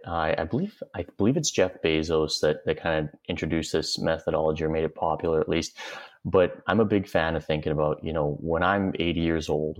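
Deep-voiced, earnest male guest. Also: muffled recording. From Western Canada. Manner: earnest, reflective, explaining at length. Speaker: guest, company CEO. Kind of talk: interview answers.

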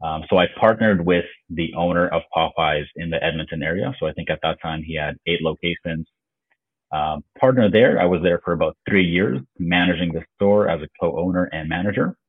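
A man from Slovakia chatting loosely as a podcast guest. His voice sits very low and sounds husky. He comes through a tinny, phone-like remote call line. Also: a little fast. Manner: relaxed, loose, many fillers. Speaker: podcast guest, business owner. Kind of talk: casual interview chat.

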